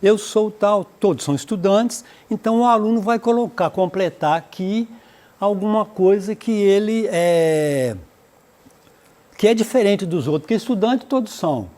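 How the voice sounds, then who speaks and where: A man with a Brazilian Portuguese accent teaching a school English lesson, reading English examples slowly and translating them, with frequent fillers. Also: high voice, dark tone. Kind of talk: recorded remote school lesson.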